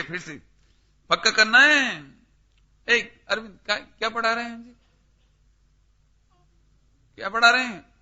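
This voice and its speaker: A religious teacher leads a scripture study class, calling on listeners by name and pressing each point emphatically. His very high voice has a sharp tone, and the recording is dull and lo-fi.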